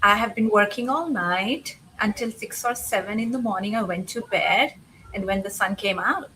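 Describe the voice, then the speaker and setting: A woman interpreting a guest's signed answers in an interview, unhurried, pausing with uh between phrases. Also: mid-range voice, sharp tone, slight background noise, poor audio.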